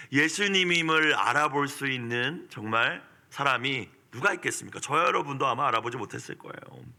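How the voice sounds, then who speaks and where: A male pastor giving an early-morning sermon, moving between soft, quiet asides and pleading, forceful outbursts. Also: on the high side.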